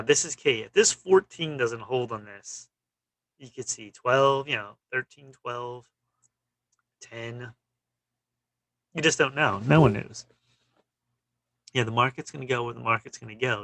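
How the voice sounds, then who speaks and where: A man's voice: mid-range voice, vocal fry, bright, forceful tone, no room sound, rough recording. A man hosting a stock trading channel, walking through charts in casual, clipped phrases and often saying "you know".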